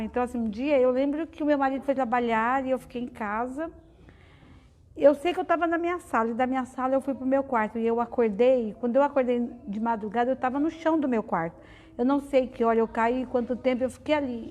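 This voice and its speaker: A woman's voice: fairly high pitch, fairly quick, a little mellow. A middle-aged woman giving a heartfelt personal testimony to an audience, talking conversationally with frequent fillers. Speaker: guest speaker at a spiritist study center.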